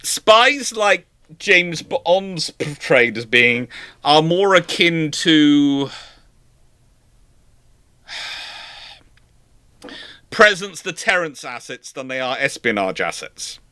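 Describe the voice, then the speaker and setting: A man's voice: a little high, big pitch swings, drawn-out words, long pauses, pushed and bright, smooth. A British man in his forties hosting a casual live question-and-answer chat, rambling and emphatic in his opinions. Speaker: live stream host.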